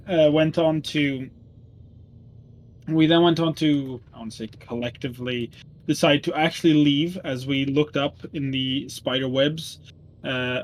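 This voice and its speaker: A man's voice: medium pitch, measured pace, rough recording. A man recapping the last tabletop game session in casual chat, full of ums and self-corrections. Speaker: player giving the session recap.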